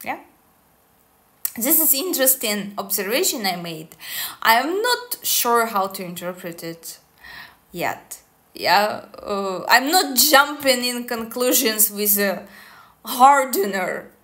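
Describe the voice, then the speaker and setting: Slow-paced woman. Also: a little high, animated, a bit bright. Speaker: online esoteric coach. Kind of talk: casual talk to camera. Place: small indoor room, seated at a table.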